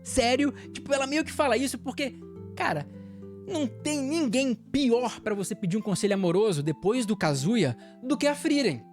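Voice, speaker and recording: A woman with a Brazilian Portuguese accent recaps an anime episode in a lively, chatty way, laughing often as she talks. Her voice sits fairly high, and soft music plays faintly underneath. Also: moderate pace. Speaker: anime channel host.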